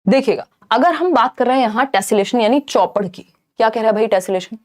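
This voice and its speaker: A woman's voice: on the high side, a little fast, darkish tone. A young Indian woman giving an exam-prep lecture, explaining in Hindi with English terms and answering her own questions. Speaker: teacher.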